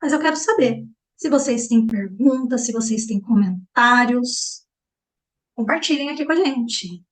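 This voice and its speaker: A high-pitched woman teaching a relaxed online class for therapists. She talks animatedly, acting out small scenes and tagging her sentences with quick checks to her listeners. Her voice sits a bit back from the mic. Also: recorded from a distance, low-quality recording. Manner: animated, acts out dialogue, frequent "né?" and "tá?".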